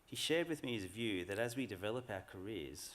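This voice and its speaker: Measured man giving a ceremony address. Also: on the low side, animated, a bit bright. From Australia. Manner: measured, earnest, reflective speech delivery. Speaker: graduation speaker. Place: large ceremony hall.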